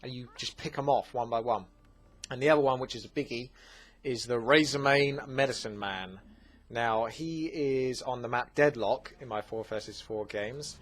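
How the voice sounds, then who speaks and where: A man with an Essex accent, hosting a gaming channel, answering viewer questions in a relaxed, chatty way with plenty of fillers. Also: medium pitch, moderate pace. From England. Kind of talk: casual Q&A commentary.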